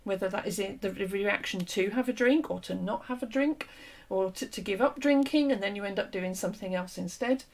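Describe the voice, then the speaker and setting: A woman hosting an interview and talking through an idea in an earnest, explanatory way, her voice fading and a little hoarse. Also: mid-range voice, fairly quick. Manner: earnest, explanatory, with frequent fillers and restarts. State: losing her voice. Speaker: host. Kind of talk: conversational discussion.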